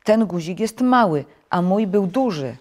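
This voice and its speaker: A woman's voice: medium pitch, animated, unhurried, darkish tone, voice pushed up. A woman voicing a fussy, easily upset male toad who complains emphatically. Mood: fussy, complaining.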